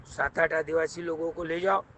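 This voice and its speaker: A man's voice: on the high side, steady tone, normal speed, fairly bright tone, a little hiss or hum, natural voice. A man voicing a commanding tribal chief in a told folk tale, giving orders in an eager tone.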